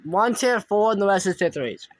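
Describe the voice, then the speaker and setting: A man's voice: high voice, lively intonation, normal speed, no room sound, low-quality recording. A young man casually commentating his own gameplay as a streamer, rambling and thinking aloud, often trailing off mid-sentence. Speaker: gaming streamer.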